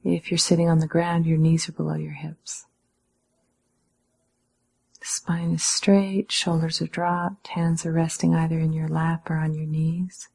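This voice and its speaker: Husky, creaky woman guiding meditation. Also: sits low. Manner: calm, measured, gently instructing with pauses. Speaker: Zen meditation teacher. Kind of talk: guided meditation instruction.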